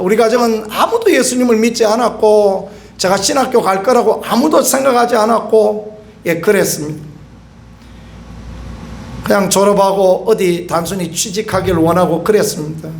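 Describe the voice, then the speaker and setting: A middle-aged male pastor preaches in a high, light voice at an evening prayer meeting. His manner is earnest and pleading. He acts out voices from the story he tells and sometimes cries out with force. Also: creaky. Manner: earnest preaching, acting out quoted voices and crying out at times. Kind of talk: sermon.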